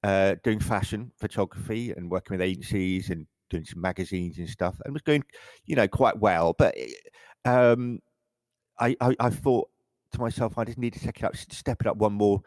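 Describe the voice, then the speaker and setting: A middle-aged English man with a very low voice, chatting casually as an interview guest. He rambles and often restarts his sentences. The sound is close and dry. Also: normal speed, a little mellow, no echo. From England. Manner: rambling, self-correcting, frequent stammered restarts. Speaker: photographer guest.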